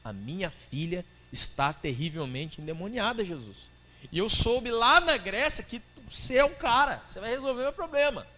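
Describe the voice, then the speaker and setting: A man's voice: high-pitched, lively intonation, moderate pace, pushed and bright. A man voicing a desperate, pleading Greek mother who complains with exasperation.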